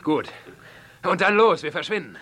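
An actor playing a burly working-class crook in an audio drama, gruff and straining with effort. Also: male voice, high voice, expressive, normal speed. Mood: straining, brisk. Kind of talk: German audio drama acting. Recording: noisy played-in radio play clip.

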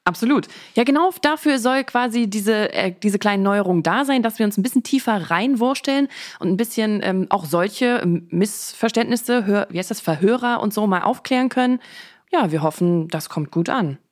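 A woman's voice: medium pitch, expressive, moderate pace. A woman hosting a podcast in a casual, conversational style. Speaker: host.

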